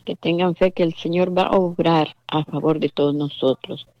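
A woman's voice: low voice, fairly even intonation, normal speed, no room sound. A woman calling a radio show by phone to give devout greetings and blessings. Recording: dull, lo-fi phone call.

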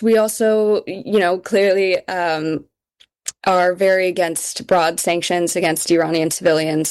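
A young woman from Minnesota, speaking earnestly as an interview guest, with frequent ums and restarts. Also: fairly low pitch. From Minnesota, United States. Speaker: guest, communications director of an advocacy group. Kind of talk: interview conversation.

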